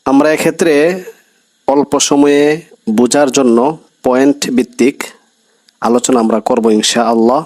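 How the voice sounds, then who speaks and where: A man's voice: medium pitch, steady tone, moderate pace, long pauses, a little mellow, low-quality recording. A man teaching an Arabic grammar class, reading Arabic text and explaining it in Bengali with quiz-style questions to students.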